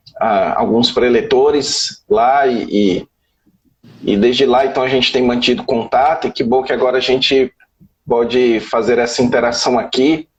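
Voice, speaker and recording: With a Ceará accent, a man speaks at a moderate pace and medium pitch, taking long, frequent pauses. His loudness stays very even and his intonation fairly even. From Ceará, northeastern Brazil. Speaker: pastor. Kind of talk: casual live chat. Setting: video call.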